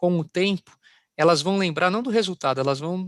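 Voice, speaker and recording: A man's high, bright, sharp voice in a São Paulo countryside accent, at a moderate pace with ordinary pitch variation, dry and close with no echo. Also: quiet background. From interior of São Paulo state, Brazil. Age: 30s. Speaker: business executive. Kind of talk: interview answer.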